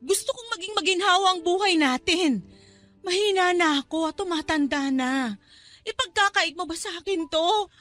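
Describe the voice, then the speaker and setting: A very high, bright-voiced middle-aged mother in a radio drama. She is weary and pleading, emotionally pressing with guilt, and music plays underneath. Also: animated, normal speed. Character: weary, pleading, manipulative mother pushing her daughter. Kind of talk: Tagalog radio drama acting. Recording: background music under dialogue.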